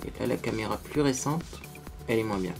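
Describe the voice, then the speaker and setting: A man's voice: lowish voice, a little fast, creaky, over music. A man talking casually through a makeup tutorial to viewers, chatty and self-mocking, tagging his sentences with little asides. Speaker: beauty vlogger.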